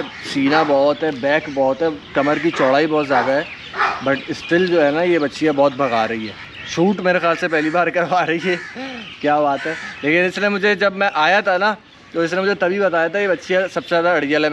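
A man's voice: fairly high pitch, distant mic. A young man from Pakistan, a photographer, casually explaining camera settings step by step at an outdoor cattle farm. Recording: outdoor noise, crows cawing. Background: birds and animals.

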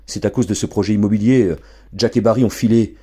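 A gloomy, blunt father speaks in a low, sullen mutter, as a man reading a storybook puts him on. His voice stays husky and heavy. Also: fairly even intonation, quick pace, warm tone. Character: gruff bankrupt father, sullen.

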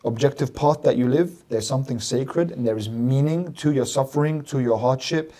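In a small studio set with plants, a religious scholar from London, a man in his thirties, talks into a desk mic on a stand as a podcast guest. His voice is warm, dark and mid-range, his pace moderate. Earnest and emphatic, he lays out ideas by repeating phrases in lists.

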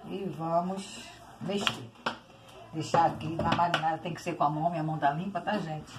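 An older woman with a Brazilian accent talks casually to viewers as she cooks. Her voice sits a little low for a woman. It is recorded on a phone in a home kitchen, with clear noise of pots and dishes around her. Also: fairly even intonation, normal speed. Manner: chatty, addresses viewers often, uses diminutives. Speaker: home cooking vlogger. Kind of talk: casual cooking demonstration. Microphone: phone on tripod, short distance. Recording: noisy kitchen with clattering dishes.

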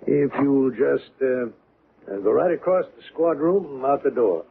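A skeptical cop in an old radio play, wry and gravelly. His pitch is middling. The recording is muffled with faint noise. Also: lively intonation, moderate pace. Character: skeptical, wry male police sergeant. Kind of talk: radio drama acting.

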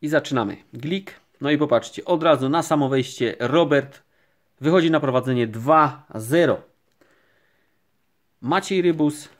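A man giving calm, unhurried commentary while opening sticker packs, naming each card as it appears. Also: mid-range voice. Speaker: card collecting vlogger. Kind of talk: casual pack-opening commentary. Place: indoors at a table, camera overhead on hands.

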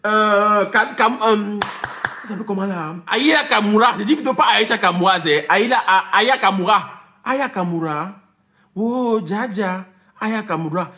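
Animated guy doing a jokey rant for his viewers, high bright voice, jumps all over, laughs mid-sentence. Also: moderate pace. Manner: animated, teasing, repeats names, mixes in English; laughs while talking. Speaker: vlogger. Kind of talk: comic rant to camera.

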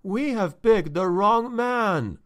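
A man's voice: high voice, expressive, voice pushed up. A man reading a story aloud, voicing an anxious male steward who talks in a shaky, pleading way. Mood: agitated. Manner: shaky, agitated, slow and pleading.

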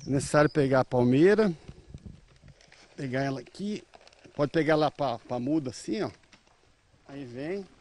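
A man's voice: medium pitch, animated, normal speed, long pauses, a little mellow, a little hiss or hum. A man in his thirties from Brazil, a rural producer plainly explaining how to plant, speaking outdoors into a reporter's handheld mic. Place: outdoor garden.

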